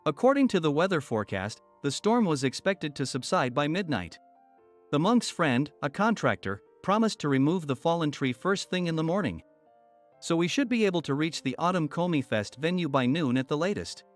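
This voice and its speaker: Lively-pitched male story narrator. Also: normal speed. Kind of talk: first-person story narration. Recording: soft music bed under voice.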